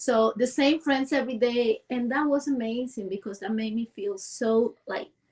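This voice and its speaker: Using a Cuban accent, a woman speaks at a high pitch. She keeps a moderate pace with ordinary pitch variation. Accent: Cuban Spanish accent (small-town Cuban). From Cuba, rural Villa Clara (Manicaragua). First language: Spanish. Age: 40s. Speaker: dance and movement coach. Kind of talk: interview. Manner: halting, with frequent repetitions.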